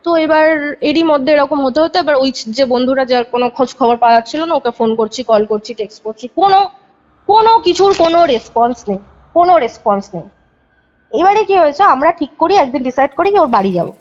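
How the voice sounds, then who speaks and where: A woman's voice: high voice, expressive, brisk, a little mellow. A young woman calling in to tell a ghost story in casual chat, rambling and correcting herself as she recounts it. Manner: rambling, self-correcting, vivid retelling. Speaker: caller telling a ghost story. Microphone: phone. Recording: muffled phone call.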